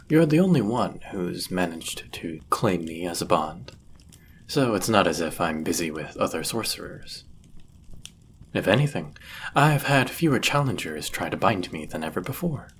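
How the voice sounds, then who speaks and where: A man's voice: lowish voice, slight background noise. A man playing a powerful demon, a devoted and possessive servant, with formal, theatrical phrasing in a fantasy audio roleplay. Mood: devoted, wistful.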